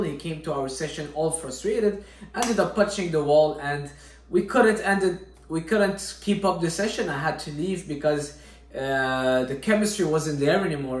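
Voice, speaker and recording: Earnest man with an echoey room sound. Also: on the high side. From Syria. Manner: earnest, repeats "all right?" often. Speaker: fitness vlogger, natural bodybuilder. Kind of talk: motivational talk to camera.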